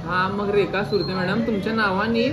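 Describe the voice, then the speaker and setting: Vlogger, casual, persistent, mock-earnest, mid-pitched voice, noisy ambient recording. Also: steady tone, moderate pace. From Solapur, Maharashtra, India. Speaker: vlogger making a prank phone call. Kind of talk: casual vlog chat and prank phone call.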